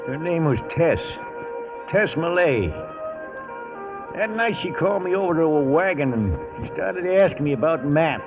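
An old American trail hand with a drawling, rustic way of talking and a slightly high voice. He tells a cattle-drive tale in a vintage radio western. The sound is dull, with music clearly underneath. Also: expressive, measured pace. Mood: wry. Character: folksy old cowhand narrating a cattle drive. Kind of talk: 1940s radio western acting and narration.

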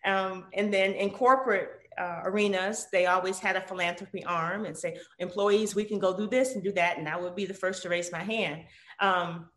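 Detroit-born woman guest, lively storyteller, roomy echo on the voice. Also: mid-range voice, normal speed. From Detroit, USA. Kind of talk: casual conversational interview.

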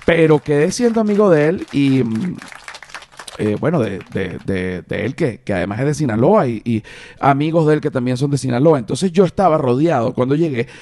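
A young man with a Venezuelan accent hosting a casual podcast, rambling and animated, with many restarts. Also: mid-range voice, normal speed, a little hiss or hum. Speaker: podcast host.

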